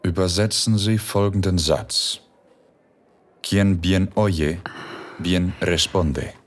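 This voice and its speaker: A commanding philosophy professor speaks in a very deep, husky voice. He is calm and seductive in this erotic audio drama, and gives his orders slowly and with measured control. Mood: stern. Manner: slow, measured, quietly commanding. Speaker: philosophy professor tutoring Spanish.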